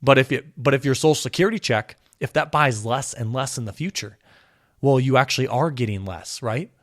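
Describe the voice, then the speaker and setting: A man hosting his own podcast, talking with impassioned energy, his voice a little hoarse from a cold. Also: a little fast, no echo, clean studio sound. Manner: impassioned ranting, pitch climbing when worked up. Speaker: podcast host. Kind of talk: solo podcast commentary.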